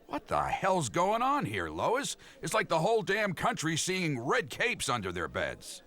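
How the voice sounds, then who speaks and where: A man voicing a gruff, exasperated American newspaper chief in a motion comic, blustering and incredulous. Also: fairly high pitch, wildly swooping pitch, unhurried, sharp tone, full character voice. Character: gruff, exasperated male newspaper chief, middle-aged or older.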